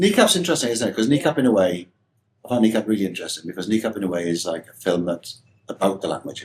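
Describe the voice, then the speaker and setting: A man with a South Welsh accent talks at a very fast pace with lively intonation. His fairly low voice swings widely in loudness. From South Wales. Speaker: film director. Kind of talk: interview conversation. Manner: halting, many repeated words.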